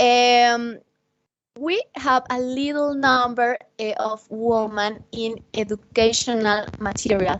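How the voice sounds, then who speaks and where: Words come at a very slow pace in a Spanish accent. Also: woman, high pitch for a woman, ordinary pitch variation. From Bolivia. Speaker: student ambassador. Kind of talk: conference presentation. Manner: halting, many fillers.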